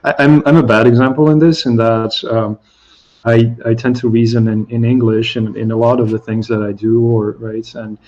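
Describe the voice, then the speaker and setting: A man's voice: medium pitch, little pitch movement, moderate pace, darkish tone, highs cut off. A man whose first language is Slovak, speaking as a guest in a casual expert discussion and thinking aloud with many restarts. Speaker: guest analyst.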